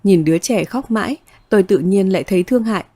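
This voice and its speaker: A woman reading a first-person story aloud as its narrator, in a steady, even way. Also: mid-range voice, fast, breathy edge, dry recording.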